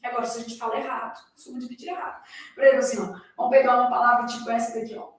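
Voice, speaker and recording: Racing along in a flat delivery, a woman with a fairly high voice and a Brazilian accent lectures exam candidates on grammar. She teaches didactically and keeps asking the class rhetorical questions. The recording is echoey, and she sounds distant from the microphone.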